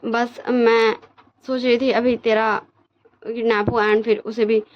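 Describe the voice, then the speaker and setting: Caring middle-aged mom, gentle and worried, read by a woman, slightly high, lo-fi. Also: level tone, slow. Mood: concerned.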